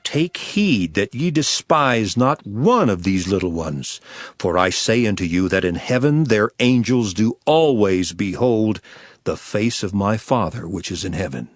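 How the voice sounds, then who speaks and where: A man playing Jesus as a solemn, authoritative teacher in a dramatized Bible reading, speaking in an emphatic, measured way. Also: fairly low pitch, expressive, dry recording, clean studio sound. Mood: solemn teaching.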